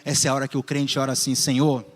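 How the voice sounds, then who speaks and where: A man with a Bahian Brazilian accent preaching a sermon, animated, with joking asides and acted-out dialogue. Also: mid-range voice, racing, big-room sound. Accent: Bahian Brazilian Portuguese.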